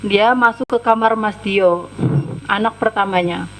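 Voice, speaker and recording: A young woman giving formal testimony as a complainant, retelling events plainly and haltingly. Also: medium pitch, fairly bright tone, poor audio. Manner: plain, halting retelling, acting out quoted lines.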